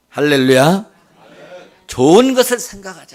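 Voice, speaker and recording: Very slow and high-pitched, a man's voice moves through very wide pitch swings. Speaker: pastor. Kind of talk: sermon. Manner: animated.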